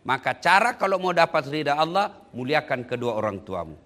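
Lively preacher. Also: male voice, a little high, a little fast. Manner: lively, jokey, addresses listeners directly. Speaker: preacher giving a wedding sermon. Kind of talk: humorous sermon. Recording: long hall reverb.

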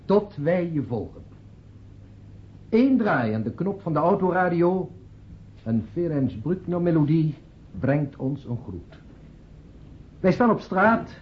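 A solemn, sentimental eulogist in a radio play. The voice is fairly high and swings dramatically, with deliberate pauses. The recording is dull and muffled. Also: male voice. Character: theatrical male friend delivering a solemn, sentimental funeral eulogy. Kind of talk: Dutch radio drama acting.

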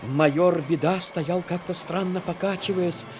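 A man's voice: high-pitched, unhurried, noisy background. A man reading scripted literary narration for a dramatic audio play. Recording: music under the voice.

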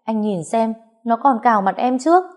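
A woman voicing a jealous, scheming young woman who whines and accuses in a high, shrill voice. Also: lively intonation, moderate pace, a little mellow, close to an everyday voice. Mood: whiny pleading.

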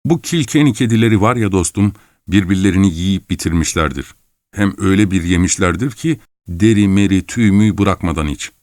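This is a wiry, graying adventurer played by a male reader in an audiobook, boastful and full of mockery. He talks in a low register, dry and close with no room sound. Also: a little fast, a little mellow, dry recording, natural voice. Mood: mocking. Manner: mocking, persuasive. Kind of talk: audiobook character voice.

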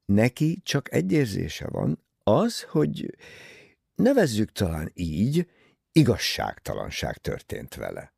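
A man gives voice to a shrewd older detective in an audiobook, low and hushed, measured and musing. The tone is husky with some gravel. The sound is dry and close. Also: wildly swooping pitch, no echo, full character voice. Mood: calm.

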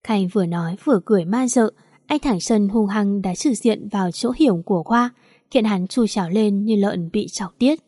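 Female storyteller, steady and dramatic; mellow tone, dry recording. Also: mid-range voice, moderate pace, no room sound. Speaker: narrator. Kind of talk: scripted story narration.

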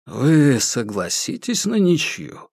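A man's voice: fairly high pitch, wildly swooping pitch, takes it slowly, a little mellow, husky, no echo, studio quality, heavily acted. A man reading an audiobook voices a cold, impatient millionaire who speaks curtly. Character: cold, impatient rich middle-aged man.

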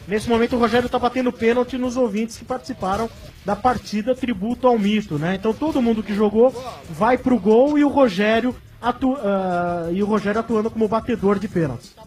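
A man hosting a live sports radio show from a mobile studio van at a stadium, chatty and upbeat with quick back-and-forth. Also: sits high, darkish tone, faint music behind.

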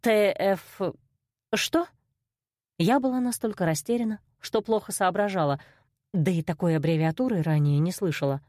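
A woman's voice: lowish voice, brisk, dark tone, no room sound, studio quality. A woman reading a first-person novel aloud with emotional expression. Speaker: audiobook narrator. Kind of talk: first-person audiobook narration.

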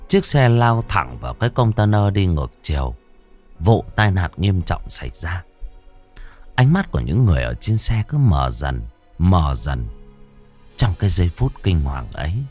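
A man's voice: deep voice, very animated, moderate pace, darkish tone, faint music behind. A man narrating a ghost story in a grim, dramatic way.

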